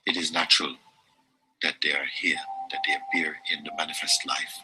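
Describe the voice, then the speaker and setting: A man giving a slow, meditative reading of spiritual teachings, measured and deliberate, with long pauses. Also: a bass voice, little pitch movement, music in the background, rough recording.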